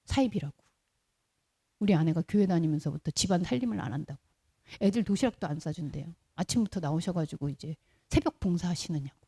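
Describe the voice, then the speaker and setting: A woman's voice: lowish voice, lively intonation, fast, dark tone, breathy edge. A woman pastor preaching a conversational sermon, telling stories and asking the congregation rhetorical questions. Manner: briefly acts out quoted voices in the middle of speech.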